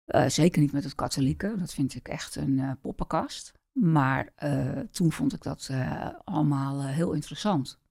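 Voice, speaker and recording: Middle-aged woman from the Netherlands, low and gravelly, halting interview guest. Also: darkish tone, dry recording, studio quality. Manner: hesitant, many pauses and fillers. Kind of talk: personal life-story interview.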